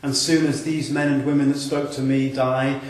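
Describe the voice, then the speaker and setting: Welsh pastor in an echoey church. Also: male voice, mid-range voice, level tone, normal speed, recorded from a distance. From South Wales. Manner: earnest, rhetorical questions. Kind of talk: scripted sermon series introduction. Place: large empty church.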